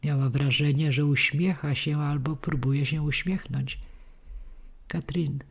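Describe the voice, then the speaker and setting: A woman narrating a classic novel as an audiobook in a measured, literary manner, with a husky voice. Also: low voice, level tone.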